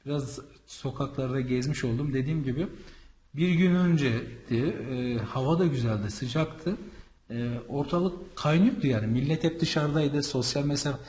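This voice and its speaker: A man's voice: mid-range voice, normal speed, a little mellow. A man working as a visa and travel consultant, talking in a casual, rambling vlog monologue with many fillers from Anatolia.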